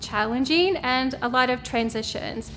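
A woman's high-pitched voice at a fairly slow pace, with ordinary pitch variation and music in the background. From Kentucky. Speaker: pediatric nurse practitioner. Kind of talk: clinician introduction video. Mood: warm, friendly. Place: studio.

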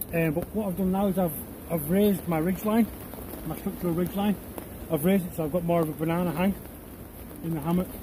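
Over noticeable background noise, a man with a high pitch talks at a very fast pace with fairly even intonation, the sound dry with no echo. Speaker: outdoor camping vlogger. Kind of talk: casual vlog chat. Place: forest. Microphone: phone near.

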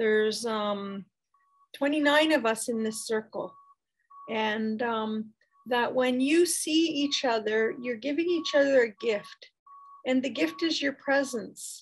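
In a Canadian accent, a woman with a high pitch speaks at a very slow pace. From northern Ontario, Canada. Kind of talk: webinar facilitation. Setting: video call. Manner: halting. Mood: calm, reflective. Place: home room. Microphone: webcam.

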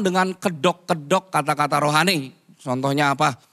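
A man projects his voice loudly at a fairly quick pace. His tone is bright and sharp against a quiet background. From Indonesia. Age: young. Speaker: pastor. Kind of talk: sermon. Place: church. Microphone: handheld.

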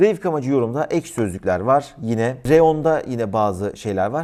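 A man's medium-pitched, ordinary speaking voice with lively intonation. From Turkey, Erzurum. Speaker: e-commerce entrepreneur and online course seller. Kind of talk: casual YouTube vlog commentary.

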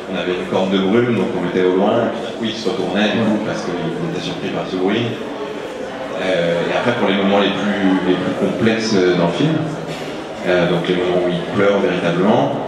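Amid loud background noise and audible room echo, a man talks at a moderate pace. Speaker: film director. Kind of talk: panel Q&A. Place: hall.

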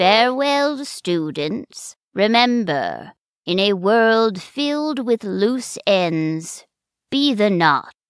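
In a put-on character voice, a female-sounding speaker goes at a very slow pace with a fairly high pitch. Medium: read story. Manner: pompous, droning, dramatic.

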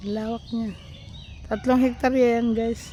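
Somewhat breathy female speech with a dark, mellow tone. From Philippines, Pangasinan. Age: 50s. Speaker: vlogger and landowner. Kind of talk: casual vlog walkthrough. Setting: outdoors on a farm.

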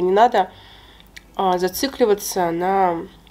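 Her intonation is fairly even. She is a woman. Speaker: vlogger. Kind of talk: casual vlog chat. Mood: calm, advising. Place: home room.

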